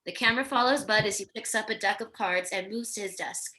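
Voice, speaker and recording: A woman's voice: mid-range voice, brisk, sharp tone. A woman narrating stage directions from a screenplay at a virtual table read.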